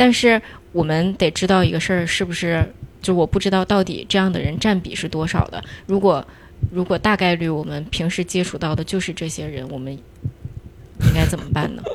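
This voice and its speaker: A woman talks at a moderate pace with vocal fry. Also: fairly low pitch for a woman, ordinary pitch variation. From Northeast China, Harbin. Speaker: independent bookstore owner. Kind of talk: casual chat. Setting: in a bookstore.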